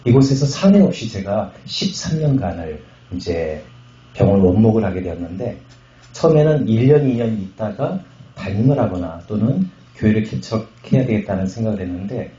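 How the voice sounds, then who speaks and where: A middle-aged man from Chungcheong Province, a pastor giving a testimony sermon at a revival meeting, telling his story with jokes and loud bursts. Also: lowish voice, animated, moderate pace. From Chungcheong Province, Korea. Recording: echoey hall, slightly muffled sound.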